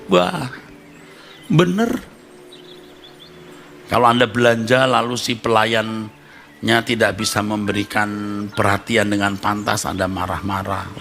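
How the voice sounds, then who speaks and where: A middle-aged man preaching a sermon as pastor, talking in a conversational way, acting out short everyday dialogues and breaking into sudden high emphatic bursts. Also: vocal fry, a bit bright. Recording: music playing underneath.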